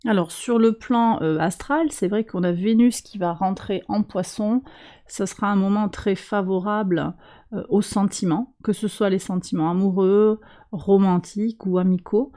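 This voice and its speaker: Soft-toned woman with a cold reading cards. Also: medium pitch. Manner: calm, slow, hesitant with many fillers. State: has a cold. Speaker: tarot and astrology reader, channel host. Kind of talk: weekly card reading for viewers.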